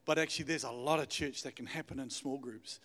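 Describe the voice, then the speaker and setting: A man's voice: medium pitch, fast talker, a bit bright. A middle-aged man preaches informally, urging his congregation and repeating phrases for emphasis. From New Zealand. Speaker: guest pastor. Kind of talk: sermon to a congregation. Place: church hall, speaking to congregation. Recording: reverberant hall sound.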